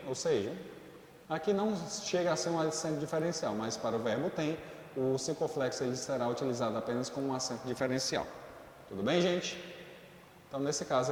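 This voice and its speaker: A man's voice: medium pitch, very echoey, big-room sound, a little hiss or hum. A man teaching a school grammar lesson in Brazilian Portuguese, explaining rules step by step and often checking in with the class. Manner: explains step by step, checks in with "tudo bem, gente?".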